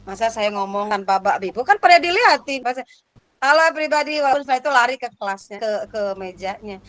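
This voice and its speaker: A woman lecturer with a high voice leads a lively workshop for teachers. She keeps tossing questions at the audience and talks in a playful, animated way. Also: quick pace, dry recording. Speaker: lecturer for teacher exam prep.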